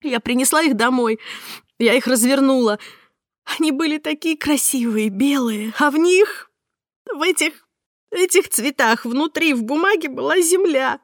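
A woman voicing a frightened young woman who shouts and sobs down the phone. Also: measured pace, no echo, clean studio sound. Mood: panicked, tearful. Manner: shrill, shouting, near tears. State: sobbing.

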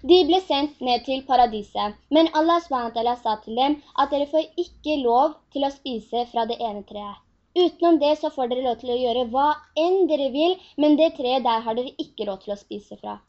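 Lady giving a religion class, earnest, asks the class questions, high voice, muffled audio. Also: animated. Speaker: religious teacher. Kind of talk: religious lesson in Norwegian. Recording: dull lo-fi recording.

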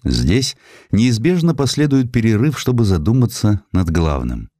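A man narrating a historical literary audiobook in a measured, expressive, dramatic storytelling manner. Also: on the low side, dry recording, clean studio sound.

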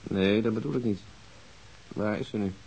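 A patient, polite police inspector in a radio drama. His voice is low and mellow, his questioning calm and measured. There is a faint hiss on the recording. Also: vocal fry, rough recording. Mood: calm, businesslike.

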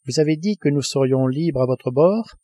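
A man's voice: fairly high pitch, moderate pace, mellow, dry recording, lightly acted. A man reading the lines of an earnest, indignant male scientist held captive, in an audiobook.

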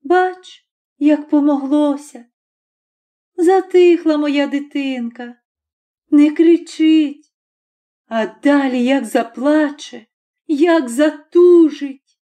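A woman voicing a desperate young peasant mother, pleading in a high, tearful, strained voice in a storybook reading. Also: mellow, exaggerated voice.

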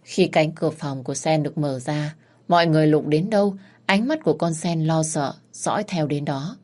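A woman with a low, deep voice telling a story in the first person. Her delivery is steady and dramatic, in a storyteller's rhythm. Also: moderate pace. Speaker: narrator.

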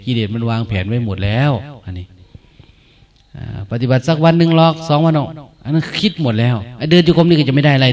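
A man's voice: medium pitch, darkish tone. An older man, a Buddhist monk, giving a colloquial dharma talk at a meditation retreat, full of rhetorical questions and tag particles.

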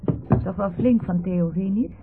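An actress playing a caring, mildly fussing wife of a businessman in a radio play, gentle and concerned. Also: medium pitch, a little fast, natural voice. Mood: concerned, admiring. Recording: muffled, noisy old radio play recording.

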